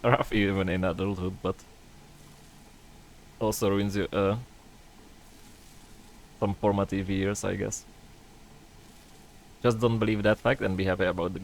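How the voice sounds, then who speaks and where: A man's voice: deep voice, slight background noise. A man streaming a game, chatting casually with a joking, sarcastic manner. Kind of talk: casual gaming stream chat.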